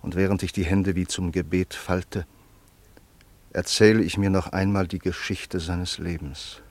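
Solemn family friend in a radio play, deep husky voice, measured and reflective. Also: male voice, level tone. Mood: solemn, elegiac. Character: Hans, grave reflective male family friend narrating a life. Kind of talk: literary radio drama narration and dialogue.

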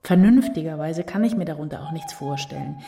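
A woman's voice: low-pitched, expressive, a little fast, noisy background. An actress playing an anguished woman writer in a literary radio drama, intense and introspective in a poetic delivery. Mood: brooding. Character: anguished, brooding woman writer losing her sense of self.

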